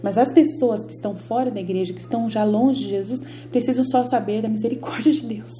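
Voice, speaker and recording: A woman's voice: a little high, fast talker, dark tone, soft background music. A Brazilian woman giving informal, emphatic devotional teaching. She speaks straight to her viewers and repeats her points over and over. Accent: Brazilian Portuguese. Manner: emphatic and repetitive, addresses viewers directly. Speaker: Catholic lay teacher.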